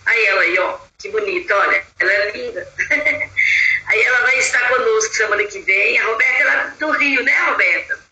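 A woman hosting an online group in a chatty, affectionate way, full of drawn-out fillers, over a video call. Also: fairly high pitch, bright, forceful tone, roomy sound, lo-fi sound. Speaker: group host.

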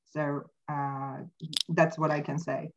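A woman whose first language is not English, speaking as an interview guest, thoughtful and halting with many fillers. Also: deep voice, flat delivery, vocal fry, highs cut off, slight background noise. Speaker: podcast guest. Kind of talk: casual interview talk. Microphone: remote call mic.

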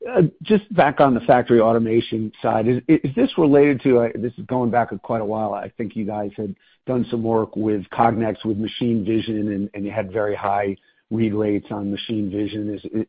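A man's voice: fairly low pitch, moderate pace, husky. A man asking questions as an analyst on an earnings call, informal and a little hesitant. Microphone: phone. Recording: tinny narrow phone line.

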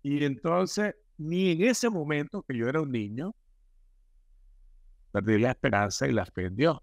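A man's voice: fairly high pitch, expressive, measured pace, creaky, dry recording, studio quality. A man as a podcast guest, telling stories emphatically and repeating himself. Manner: emphatic, repetitive storytelling. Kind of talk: casual spiritual conversation.

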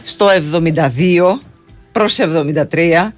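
A man co-hosting casual sports radio banter, joking and often repeating words in quick bursts. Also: fairly high pitch, faint music behind. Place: radio studio.

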